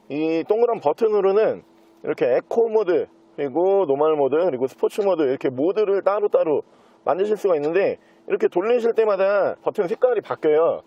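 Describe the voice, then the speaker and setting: A man with a fairly high, mellow voice presents a car as a used-car dealer. His delivery is smooth, practised salesman patter in an unscripted walkthrough. The sound is somewhat dull and lo-fi. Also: lively intonation, a little fast.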